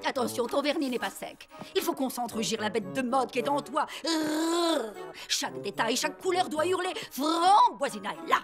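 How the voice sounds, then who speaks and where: High-pitched, melodramatic fashion diva. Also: female voice, animated, moderate pace, hardly any pauses. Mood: bossy, excited. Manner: theatrical, condescending, gushing pet names. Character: haughty, fussy, flamboyant female fashion TV producer, melodramatic diva. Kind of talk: French animated series dub acting. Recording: background music under the voice.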